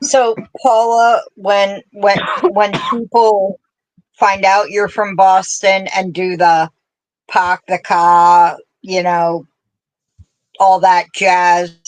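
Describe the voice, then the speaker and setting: In a Central Pennsylvania accent, a woman at medium pitch speaks at a very slow pace with ordinary pitch variation and long, frequent pauses, the sound dry and close with no echo. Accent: Pennsyltucky. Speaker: crochet crafting YouTuber. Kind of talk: casual chat. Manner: animated.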